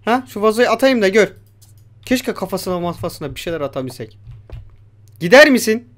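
Jumpy young man yelling at a horror game. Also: high voice, big pitch swings, normal speed. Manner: jumpy, swearing, talks back at the game's creatures. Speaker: gamer. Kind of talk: horror game let's play commentary.

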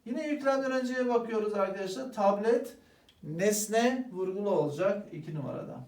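A high-pitched male Turkish language teacher, speaking at a normal pace, is teaching grammar to prepare students for an exam. He treats the class like friends, calling them "arkadaşlar," and animatedly asks and answers his own questions. Captured from a distance, his voice is slightly off-mic amid roomy reverb.

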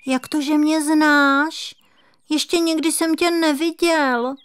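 Woman reader as a frightened little boy kitten for a kids' audiobook; high, pleading. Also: lightly acted. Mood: puzzled. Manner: plaintive, pleading, whiny. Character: timid little male kitten, lost and scared. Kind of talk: children's audiobook reading.

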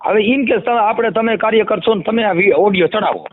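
High-pitched, fast Kathiawadi Gujarati man on phone. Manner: insistent, explanatory, repeats phrases for emphasis. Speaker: community activist. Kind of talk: animated phone discussion. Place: phone call. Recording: muffled lo-fi phone call recording.

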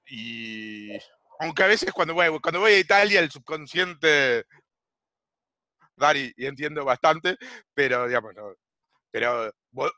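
A man in his forties with an Argentine Rioplatense accent, giving a virtual coaching class on a video call with a headset, halting with many fillers and repeated words. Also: mid-range voice, sharp tone, no room sound. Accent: Rioplatense Spanish. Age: 40s. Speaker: online business coach. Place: home room on a video call.

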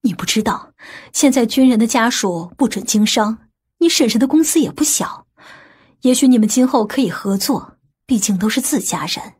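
A woman's voice: on the high side, animated, moderate pace, darkish tone, breathy edge. A woman playing a stern, principled middle-aged aunt in an audiobook, blunt and skeptical. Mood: matter-of-fact. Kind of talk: audiobook character acting.

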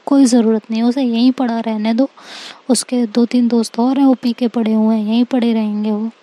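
A woman's voice: on the high side, fairly even intonation, brisk, lo-fi sound, natural voice. A woman voicing a playful young woman in love who coaxes and teases her partner. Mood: brushing off. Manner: coaxing and teasing. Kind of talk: storytelling with voiced quotes.

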